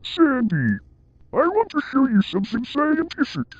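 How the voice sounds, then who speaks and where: A man voicing a deranged, childlike male starfish who turns killer, in a high, sing-song, menacing voice. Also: wildly swooping pitch, normal speed, no room sound, lo-fi sound, full character voice. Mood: sly.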